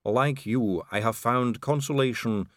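A man playing a calm, sly vampire lady. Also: mid-range voice, a little slow, no room sound, studio quality, natural voice. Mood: cool, sly. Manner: cool, drawling, amused and poised. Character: calm, elegant, sly female vampire noblewoman. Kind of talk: audiobook character reading.

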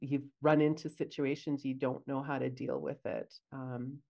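A woman's voice: a bass voice, little pitch movement, moderate pace, creaky, darkish tone, lo-fi sound. A woman co-hosting a casual podcast, chatty and acting out bits of client talk. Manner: chatty, acts out client dialogue. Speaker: podcast co-host, esthetician.

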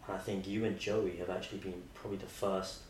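A man's voice: low-pitched, flat delivery, fast, darkish tone. A man, hosting a podcast in casual, rambling chat with many restarts. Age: 20s. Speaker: podcast host. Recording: roomy sound with faint noise.

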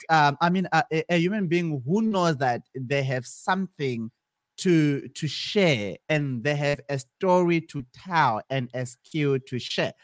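A man's voice: a little high, no room sound, clean studio sound. A man in his twenties from Zimbabwe, a guest in an interview, talking casually with many restarts and repeated words. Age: 20s. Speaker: podcast guest, business founder.

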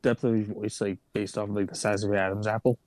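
A man's voice: lowish voice, level tone, fast talker, darkish tone. A young man in casual chat, musing aloud and asking questions with many fillers.

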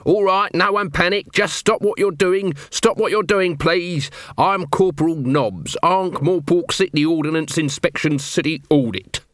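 Man as a cocky, high-pitched scrawny corporal. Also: unhurried, few pauses, a bit bright, no room sound, clean studio sound. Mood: brash officious. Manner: swaggering, snappy, mock-official, menacing. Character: scrawny, cocky, bluffing watch corporal, male.

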